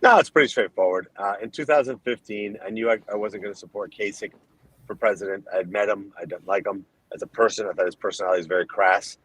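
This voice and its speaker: A man's voice: on the low side, fairly bright tone, slightly rough, dry recording, rough recording. Emphatic man listing his points, dry sound. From Colombia. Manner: emphatic, rapid-fire lists of points. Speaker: Senate candidate, guest. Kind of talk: podcast interview answers.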